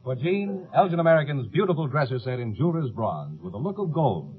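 Animated male announcer on muffled old radio. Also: a little high, a little fast, slightly rough, faint music behind. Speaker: announcer and host's sidekick.

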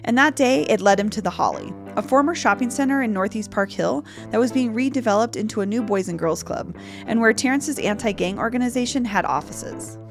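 A woman host narrating a scripted news story in a clear, measured way. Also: fairly high pitch. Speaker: podcast host. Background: music.

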